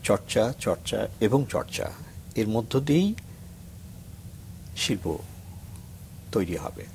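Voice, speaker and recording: A man's voice: lowish voice, very animated, slow, gravelly, a little mellow, a little hiss or hum. A middle-aged man from Bangladesh, a reciter on a TV morning show, talking earnestly and then reciting a poem with swelling emphasis. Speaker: reciter guest. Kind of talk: reflective talk and poetry recitation. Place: TV studio.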